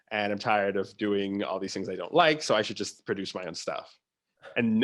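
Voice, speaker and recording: Low-pitched man in casual interview. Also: fairly bright tone. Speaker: theatre producer, interview guest.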